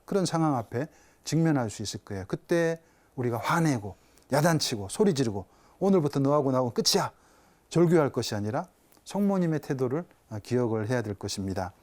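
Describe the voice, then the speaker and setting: A man's voice: medium pitch, animated, a little fast, a little mellow. A man, a Catholic priest, giving a televised spiritual talk, telling a story and asking his listeners rhetorical questions.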